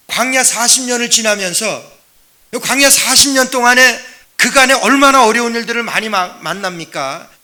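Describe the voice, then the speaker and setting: Bright-voiced pastor preaching emphatically. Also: male voice, high voice. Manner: emphatic, asks the congregation questions and answers them; drops to a quiet, rambling aside when telling a personal story. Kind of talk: sermon.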